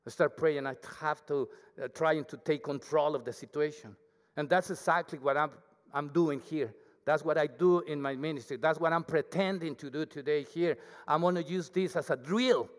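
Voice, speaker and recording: A man's voice: a little high, moderate pace. A man with a thick Mexican accent, Spanish his first language, preaching a humble, chatty sermon as a guest speaker. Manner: humble, self-deprecating, chatty with the congregation. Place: church. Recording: hall reverb.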